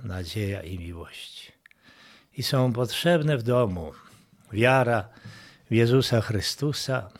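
A man reading a devotional text in a measured way, with some passages dropped to a hush. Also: medium pitch.

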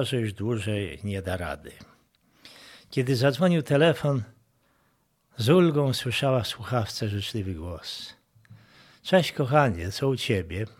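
A man reading a devotional text in a measured way, with some passages dropped to a hush. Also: medium pitch.

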